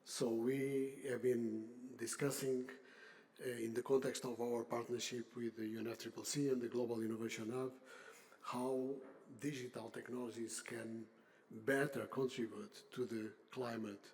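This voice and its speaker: An older man, a chief executive, giving a semi-formal unscripted conference speech with halting, deliberate phrasing. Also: medium pitch, level tone, a little mellow. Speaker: industry association CEO, panel speaker.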